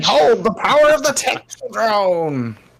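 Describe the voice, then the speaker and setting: A put-on character voice, fairly high in pitch, swings very widely up and down at a moderate pace. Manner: grandiose, bombastic.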